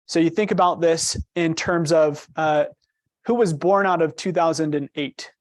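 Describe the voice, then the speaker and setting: A man presenting to a room of agents, his voice quiet and a little high. He often pauses to ask the audience questions, recorded dry and close. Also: steady tone, dry recording. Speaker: trainer. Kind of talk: workshop presentation.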